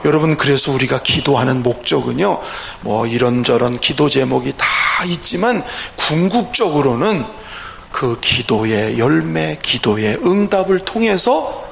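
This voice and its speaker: A man's voice: mid-range voice, lively intonation, measured pace, vocal fry, a bit bright, slight background noise. A man pastor preaching an evening worship sermon, emphatic, with rhetorical questions and calls of hallelujah, in a church sanctuary. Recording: echoey church hall, faint ambience.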